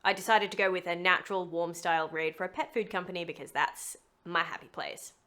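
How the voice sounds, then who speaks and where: A fairly low, steady voice that sounds pushed and bright, moving a little fast, belongs to a woman voice actor explaining demo reel creation. It's scripted tutorial narration to camera, chatty and emphatic with touches of humour at her own expense.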